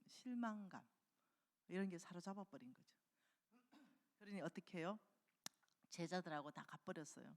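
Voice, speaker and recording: A woman preaching a revival sermon in a church, telling the story with lively acted-out dialogue. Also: lowish voice. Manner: animated storytelling, acting out quoted dialogue. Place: church sanctuary. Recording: long hall reverb.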